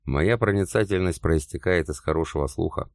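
A man reading the lines of a wounded Soviet commissar who answers calmly and firmly with dry irony. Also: low voice, brisk, dry recording.

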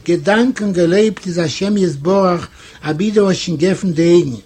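A man's voice: high voice, animated, a little slow, a little mellow, husky, full character voice. A man voicing a fretful mother who scolds her son with sighs in a spoken storybook. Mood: scolding.

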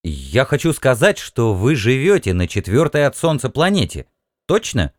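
A man's voice: medium pitch, huge pitch swings, normal speed, no room sound, clean studio sound. Man playing a blustering spaceship captain. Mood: hearty. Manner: hearty, pushy, insistent.

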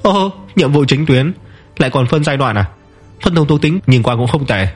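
A man voicing a wry, self-assured young hero in an audio story, with a husky tone. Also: mid-range voice, animated, normal speed, faint music behind, pitched above the performer's own voice.

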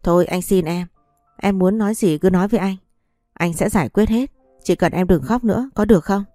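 Woman reading as a calm, cool young husband. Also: medium pitch, fairly quick, dry recording, clean studio sound, faint music behind, natural voice. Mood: coaxing. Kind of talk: audiobook character reading.

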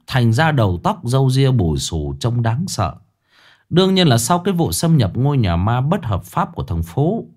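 Brief: male ghost story narrator, animated and earthy. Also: fairly low pitch.

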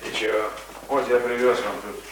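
An actor playing a plain-spoken visiting village uncle in a naturalistic radio play, talking in a familiar, earnest, colloquial way. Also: male voice, fairly low pitch, level tone, moderate pace, close to an everyday voice. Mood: friendly, hearty. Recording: roomy, noisy radio drama recording.

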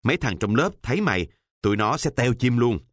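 A man's voice: mid-range voice, big pitch swings, a little fast, dry recording, clean studio sound. A man voicing a cocky, streetwise teenage boy who teases in a mocking way and talks full of slang, in a storybook reading. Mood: teasing.

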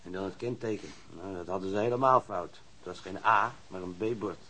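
Hurt policeman in a radio play, raspy low-ish voice, matter of fact, sure of himself. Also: normal speed, bright, forceful tone, rough recording. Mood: recalling, assured. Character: chatty, self-assured wounded policeman in a hospital bed. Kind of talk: naturalistic radio drama acting.

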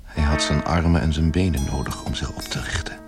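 A man narrating a literary radio play in a measured, grave manner with a gravelly, husky voice. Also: extremely low pitch, over loud music.

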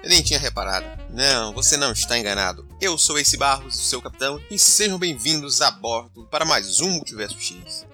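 Um homem interpretando um capitão de nave informal e expressivo, apresentador e narrador de um audiodrama. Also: male voice, medium pitch, expressive, brisk, hardly any pauses, pushed and bright, faint music behind. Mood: upbeat, narrating. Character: male spaceship captain, breezy, mildly grumpy storyteller. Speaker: host. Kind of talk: audio drama narration and dialogue.

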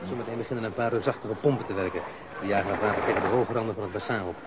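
An actor playing a courteous, evasive police official in a radio play, speaking in a measured, officious way. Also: male voice, lowish voice, heavy background noise, close to an everyday voice. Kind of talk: Dutch radio play acting.

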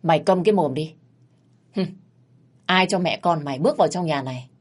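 A woman narrator voicing a fierce older mother who threatens and scolds harshly, with a husky low voice. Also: fairly quick. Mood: furious. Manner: harsh, threatening, shouting abuse.

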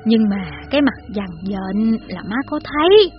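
A woman plays a plain-spoken mother with a Southern Vietnamese accent, telling her children old ghost stories in an earnest way. Her voice is fairly high. The recording is a little dull, with soft music behind it. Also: very animated, moderate pace. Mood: hushed. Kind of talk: audio drama storytelling.

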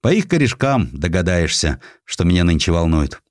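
Man acting a forthright Russian general, low-pitched. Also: big pitch swings, moderate pace. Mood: friendly. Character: celebrated Russian general, forthright, learned, wary of Germany. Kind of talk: dramatized audiobook dialogue.

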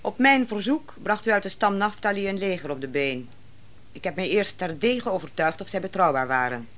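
A woman playing an authoritative, composed judge and leader in a radio play, speaking formally and deliberately. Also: mid-range voice, animated, fairly bright tone, lightly acted. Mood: stately. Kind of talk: Dutch radio play acting.

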